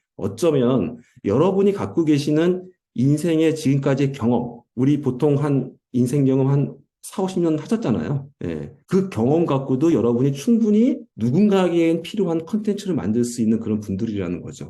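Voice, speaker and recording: A man's fairly high voice with very wide pitch swings and a dark, mellow tone. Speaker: lecturer. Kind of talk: lecture. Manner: fast.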